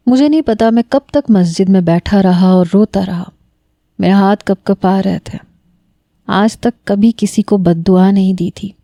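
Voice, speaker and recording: A woman narrating a romantic story in the first person, steady and emotional. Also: medium pitch, no echo.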